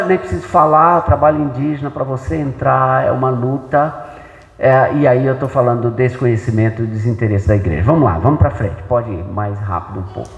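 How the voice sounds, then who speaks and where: A man with a Brazilian Portuguese accent giving an informal church lecture, explaining things conversationally and checking in with rhetorical questions. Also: medium pitch. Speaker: pastor and Bible translator giving a talk. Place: church hall. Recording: echoey hall with long reverb.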